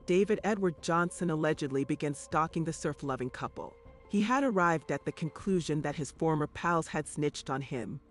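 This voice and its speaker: A man reading scripted true crime documentary narration in a formal, dramatic storytelling manner. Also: on the high side.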